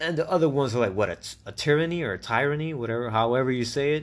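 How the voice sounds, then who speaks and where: A man speaks at a very fast pace in a medium pitch. His intonation is lively. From Puerto Rico. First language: Spanish. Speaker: podcast host. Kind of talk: casual solo monologue. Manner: casual, rambling.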